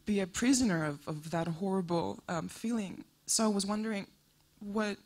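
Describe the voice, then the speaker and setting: A woman's voice: medium pitch, normal speed, a little mellow, slightly rough. A woman from Greece in a theater audience, asking a hesitant question into a handheld microphone. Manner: hesitant, searching for words.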